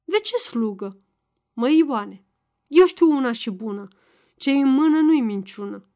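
A woman's voice: fairly high pitch, lightly acted. Woman voicing a crafty, stubborn old peasant. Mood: angry, stubborn. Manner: loud, mocking and gruff.

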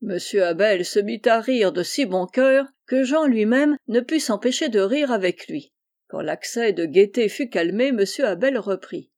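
A woman reading a classic novel aloud as an audiobook narrator, in clear, even storytelling. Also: medium pitch, unhurried. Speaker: audiobook reader.

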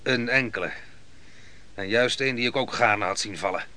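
Man playing a proud commander, bright forceful voice. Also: medium pitch, normal speed, natural voice. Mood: grim, determined. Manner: commanding, boastful, scornful. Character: proud victorious army commander, boastful and vengeful. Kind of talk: radio play acting.

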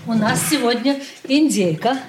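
A woman's voice: on the high side, a little slow, noisy background, natural voice. A woman playing a fussing married daughter. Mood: fussy. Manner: fussy, pleading. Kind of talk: 1980s studio radio play acting.

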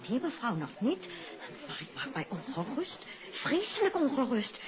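Casting: worried, courteous boutique madame, expressive and emphatic; dull 1950s radio-drama sound. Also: female voice, sits high, normal speed. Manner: hesitant, formal, emphatic. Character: worried, polite German fashion shop proprietress, Madame Klein. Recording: muffled 1950s radio recording with background chatter.

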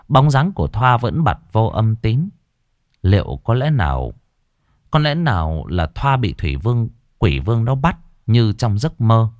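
A man narrating a ghost story in a dramatic, expressive way. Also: lowish voice, no room sound, studio quality.

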